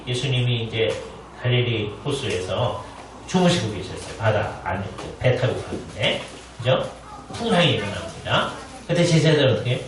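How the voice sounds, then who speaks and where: A man's voice: fairly high pitch, a bit bright. A man preaches a sermon to a church congregation, talking to them like a teacher and often asking whether they follow. His voice rings through a very reverberant hall and is picked up from some distance. Faint noise sits under the sound. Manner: conversational, often asks the congregation "right?". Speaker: guest preacher, professor. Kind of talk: sermon at a Bible conference. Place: church sanctuary.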